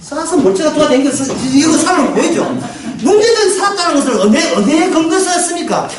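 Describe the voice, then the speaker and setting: A man preaching a sermon as pastor, lively, often laughing and asking his listeners questions. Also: very high voice, fast, recorded from a distance. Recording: very echoey hall, mic from afar, faint noise.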